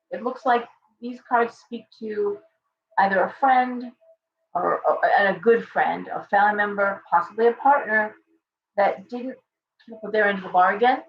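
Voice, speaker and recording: A woman hosting a casual tarot livestream, chatty and hoarse, thanking viewers by name as she reads the cards. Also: mid-range voice, normal speed, distant mic. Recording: dull, roomy livestream audio from off-mic.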